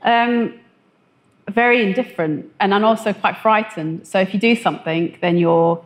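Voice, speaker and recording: A woman from West London giving a conversational testimony on a church stage, hesitant and full of fillers, growing animated when she quotes others. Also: mid-range voice, moderate pace. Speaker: testimony guest.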